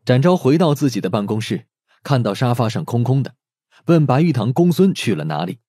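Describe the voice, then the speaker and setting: A man's voice: medium pitch, very animated, a little fast, warm tone, breathy edge, no room sound. A man narrating a dramatic audiobook story in a scripted style. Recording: faint music under the voice.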